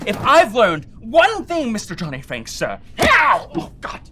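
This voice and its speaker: A performer voicing an earnest, frightened creature in a comedy audio drama, speaking slowly and sincerely. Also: mid-range voice, huge pitch swings, noisy background. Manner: earnest, then shouting defiantly.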